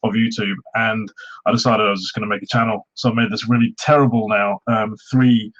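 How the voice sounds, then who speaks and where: Soft-spoken raised man, dull lo-fi audio. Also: lowish voice, flat delivery, a little fast. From Wales. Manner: soft-spoken, modest, hesitant with many ums. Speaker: guest, Pokemon YouTuber. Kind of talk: casual interview chat. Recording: dull lo-fi sound.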